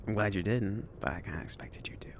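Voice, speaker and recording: A man playing a chill, friendly mage in an ASMR roleplay, speaking softly between whisper and murmur in a casual, hesitant, rambling way. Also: lowish voice, fast talker, slight background noise, natural voice. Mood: relieved, upbeat. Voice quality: soft, breathy whispering mixed with murmured speech. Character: chill, friendly male mage kindly outfitting his apprentice.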